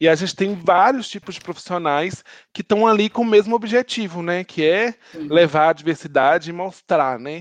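A man with a high pitch and ordinary pitch variation talks at a moderate pace with hardly any pauses, in a dry, close sound with no echo over a quiet background. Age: 20s. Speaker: podcast host, biologist. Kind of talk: casual chat.

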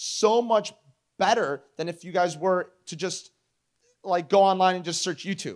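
In a very clean recording with a silent background, a man with a high pitch speaks at a fairly slow pace, sounding energetic and enthusiastic, with ordinary pitch variation. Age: 20s. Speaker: real estate investor and conference speaker. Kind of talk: conference keynote presentation. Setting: stage with audience. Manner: energetic, enthusiastic.

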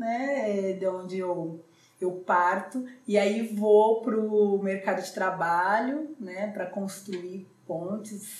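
Audible room echo surrounds a woman of medium pitch who speaks at a very slow pace. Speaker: social worker. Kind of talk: interview.

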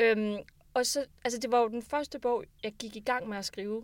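Her pitch sits fairly high, with ordinary pitch variation, as a woman is captured on a very clean recording against a silent background. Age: 40s. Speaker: author. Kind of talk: interview.

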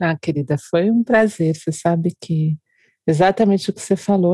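A woman's fairly low, dark and mellow voice at a moderate pace with ordinary pitch variation, dry and close with no echo, in a very clean recording over a silent background. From Brazil, São Paulo city. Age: 40s. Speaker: career changer in tech, trainee product owner. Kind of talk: interview.

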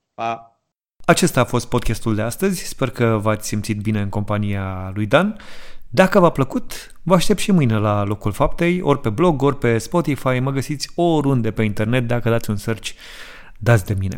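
Lively in intonation, a man with an unremarkable speaking voice and medium pitch is heard on a very clean recording with a silent background. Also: moderate pace. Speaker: podcast host. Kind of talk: casual interview.

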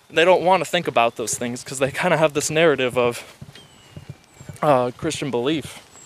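In an American accent, the speaker goes at a fairly quick pace with ordinary pitch variation but long, frequent pauses. Noticeable background noise is present. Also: man, fairly high pitch for a man. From rural Illinois, US Midwest. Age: 20s. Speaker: podcast guest, former game design student. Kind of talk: casual chat. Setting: outdoors on a river trail. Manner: talkative.

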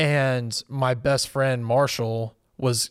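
On a very clean recording with a silent background, a man with an American accent speaks in monotone, flat intonation. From Texas, Dallas area. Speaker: university student and videographer. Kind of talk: casual chat.

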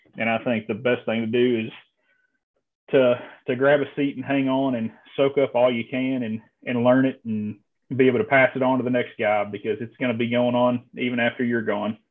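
Monotone, flat intonation from a man with an American accent, medium in pitch and fairly quick in pace. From Kentucky, US (Frankfort). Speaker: land surveyor. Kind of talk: casual interview chat.

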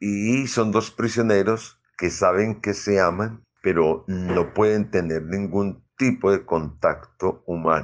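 A man speaks very slowly in a fairly low voice, with ordinary pitch variation, very even loudness and a quiet background. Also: hardly any pauses. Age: 60s. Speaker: LGBT activist. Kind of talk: interview.

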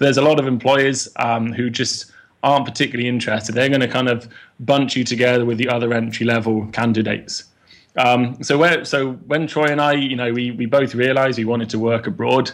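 Talking at a fairly quick pace, a man holds a medium pitch and fairly even intonation. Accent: English. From England, Oxford. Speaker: guest, travel entrepreneur. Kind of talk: casual interview.

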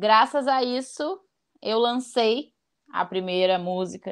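A woman with a fairly high voice, at a very slow pace. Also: quiet background. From Rio Grande do Sul, Brazil (Barra do Ribeiro). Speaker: rapper. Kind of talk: casual interview.

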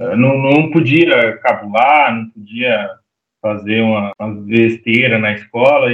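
Here a man talks with a São Paulo accent. He goes at a very slow pace, with ordinary pitch variation. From São Paulo, Brazil (northwest outskirts). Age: 30s. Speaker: podcast guest, father of two. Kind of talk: casual chat.

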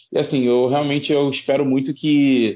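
A man speaks with a Rio de Janeiro accent and a fairly high pitch. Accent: carioca. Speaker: electronic music producer. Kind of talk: casual interview chat.

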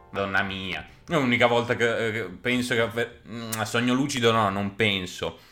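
Music plays behind a man speaking in an animated tone. His pitch is medium and his pace fairly slow. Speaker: podcast host and student. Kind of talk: casual chat. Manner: halting.

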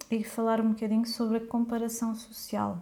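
A woman with a European Portuguese accent speaks at a fairly quick pace in a dark, mellow tone of fairly high pitch. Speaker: podcast host, career transition coach. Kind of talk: casual chat.

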